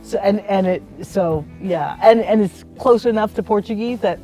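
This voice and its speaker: A woman's voice: medium pitch, moderate pace, warm tone, soft background music. A woman co-hosting a casual family talk, chatty and easygoing, full of "like" fillers. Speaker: podcast co-host.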